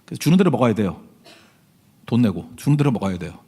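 A man's voice: sing-song, fast talker, slightly rough. Male pastor telling stories in a sermon. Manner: conversational storytelling, often asking the congregation "right?"; swings between loud emphasis and hushed low asides.

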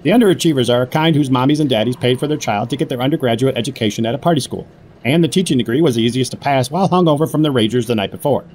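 A cynical corporate boss, played by a man, holds forth in an audio drama with pompous, sardonic contempt. His mid-pitched voice is smug and deliberate, set over clear background noise. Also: a little mellow, natural voice. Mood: contemptuous, smug. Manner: pompous, drawn-out sardonic monologue.

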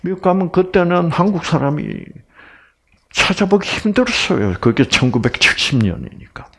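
A man's voice: a little high, big pitch swings, normal speed, creaky, fairly bright tone, husky. An older man from Korea giving a chatty health lecture, weaving in personal stories and frequent asides to his audience.

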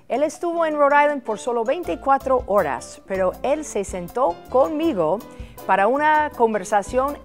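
American woman hosting in Spanish. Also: on the high side. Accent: American English. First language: English. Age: 50s. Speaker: host. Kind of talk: TV interview show. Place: indoor studio set, armchair. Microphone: lapel.

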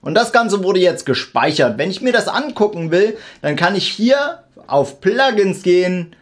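A man's voice: high-pitched, sing-song, a little slow. A young man hosting a casual video editing tutorial, explaining informally and addressing the viewer directly. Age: young adult. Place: small indoor home studio.

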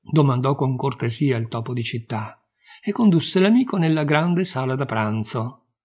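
A man reading fables aloud in a calm, measured storytelling manner. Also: medium pitch, slightly rough. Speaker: reader of fables. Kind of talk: audiobook fable narration.

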